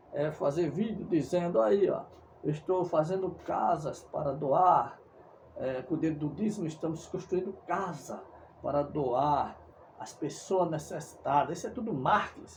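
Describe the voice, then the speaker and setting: Pitched high for a man, this speaker talks at a fairly slow pace with ordinary pitch variation and audible room echo. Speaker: evangelical preacher. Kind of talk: preaching monologue.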